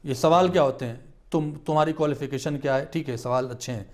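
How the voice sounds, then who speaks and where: On a studio talk show, a man who is a religious scholar lays out his argument with earnest emphasis. For a man, his voice sits somewhat high.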